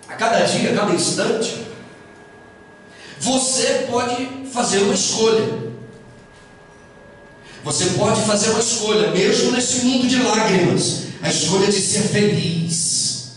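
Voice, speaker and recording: A man with a Brazilian Portuguese accent, a pastor delivering a sermon in a church hall with emphatic, deliberate preaching that rises into raised bursts. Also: extremely high pitch, fairly bright tone, slight background noise. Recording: echoey hall from far off.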